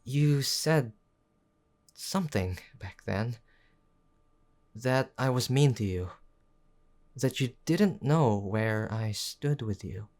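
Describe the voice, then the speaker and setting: A man playing a gruff but tender tsundere boyfriend in an intimate audio roleplay, speaking in a halting, earnest way. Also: mid-range voice, animated, a little mellow. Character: gruff young tsundere boyfriend, worried, stubborn, tender underneath.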